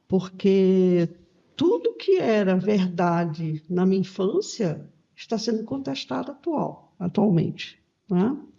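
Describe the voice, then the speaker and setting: Very slowly, a woman talks in a medium pitch. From Brazilian Northeast. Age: 70s. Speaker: history professor. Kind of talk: casual chat. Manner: halting.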